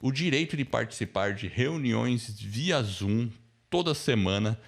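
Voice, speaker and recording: A man's voice: medium pitch, expressive, a little slow, gravelly. A man with a Brazilian accent hosting a casual online class in an informal, chatty way, often tacking on tag questions. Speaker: host, podcasting teacher. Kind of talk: casual live online class chat and promotion.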